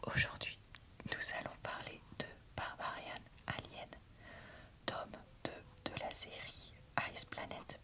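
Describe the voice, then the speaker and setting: A woman softly whispers an ASMR book review and reading in an unhurried, informal way. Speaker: book reviewer and video host.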